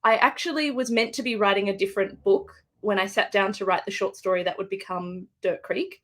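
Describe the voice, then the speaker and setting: A woman's voice: medium pitch, steady tone, fairly quick, fairly bright tone. An Australian woman, an author, speaking thoughtfully with fillers and restarts in a live book interview over a video call. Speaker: guest author.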